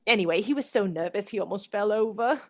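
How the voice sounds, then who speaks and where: A woman acts out a sweet young Victorian lady in a radio play. She confides in a girlish, romantic and dramatic way. Her pitch is average for a woman. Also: quick pace, close to an everyday voice. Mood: gossipy. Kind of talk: radio play acting and storytelling.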